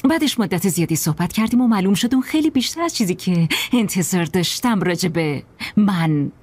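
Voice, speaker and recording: An actress in her forties dubbing a married woman who hides a secret, speaking in a husky voice. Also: lowish voice, expressive, darkish tone. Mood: defensive. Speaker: dubbing actor. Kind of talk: dubbed film dialogue.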